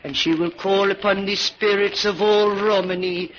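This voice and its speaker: A woman's voice: mid-range voice, steady tone, close to an everyday voice. An actress playing an old, mysterious gypsy fortune-teller queen, portentous and theatrical in old-time radio style. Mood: hushed, mysterious. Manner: slow, portentous, speaks of self in third person. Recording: dull, noisy vintage radio recording.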